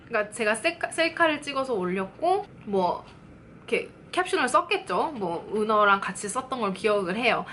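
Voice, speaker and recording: Fairly high in pitch with very wide pitch swings, a woman speaks in a bright, sharp tone. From South Korea. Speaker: vlogger. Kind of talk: casual storytelling vlog.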